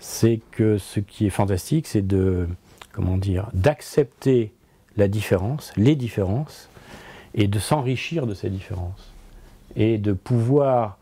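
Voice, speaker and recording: Man, 60s, native French speaker, interview guest; low, dark, husky tone; reflective, hesitant delivery. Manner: thoughtful, halting, frequent repetitions and hesitations. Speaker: interviewee, philosopher and translator. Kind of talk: conversational interview. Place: book-lined office, indoors.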